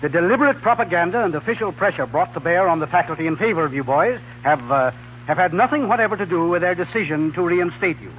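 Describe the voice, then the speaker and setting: An actor playing a stiff, slightly awkward college dean with formal, hesitant speech in a 1930s radio comedy. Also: male voice, sits high, animated, quick pace. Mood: stiffly formal. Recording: tinny 1930s radio with faint hum.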